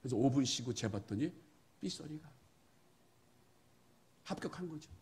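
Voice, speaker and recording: A middle-aged male pastor preaching a sermon, telling folksy stories, acting out bits of dialogue and building to emphatic, forceful points. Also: mid-range voice, lively intonation, normal speed, a little hiss or hum.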